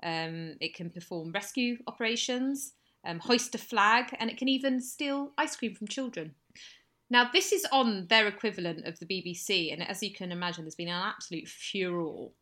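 A woman from England co-hosting a casual chat show, telling stories in a lively, animated way with sudden high bursts. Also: normal speed. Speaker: podcast co-host.

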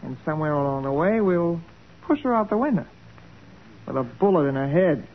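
A woman's voice: low-pitched, lively intonation, fairly quick. An actress playing a tough, menacing woman gangster in a 1940s radio crime drama, with commanding underworld talk. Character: hard, menacing female gangster killer. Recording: noisy, narrow-band 1940s radio recording.

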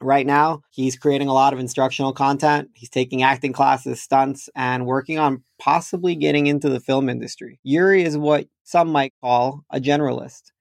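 Gravelly-voiced male podcast host. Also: mid-range voice, fairly even intonation, moderate pace, few pauses, no echo, clean studio sound. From Chechnya. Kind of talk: casual interview chat.

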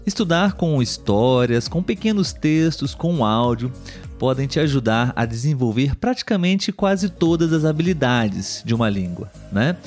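A young Brazilian man who hosts a language-learning podcast, speaking clearly and warmly as he talks directly to learners. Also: medium pitch, big pitch swings, normal speed, soft background music. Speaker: podcast host and Portuguese tutor.

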